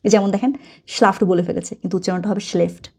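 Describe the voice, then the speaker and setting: A woman's voice: mid-range voice, fairly even intonation, fairly quick, gravelly, a little mellow, husky. A woman teaching German from a textbook, chatty, explaining words step by step and correcting herself as she goes.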